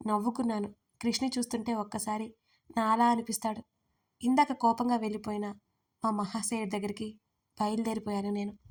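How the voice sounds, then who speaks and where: A woman's voice: on the high side, level tone, a little fast, long pauses. Playful woman narrating a romance story. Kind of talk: scripted first-person narration of a romance audio story.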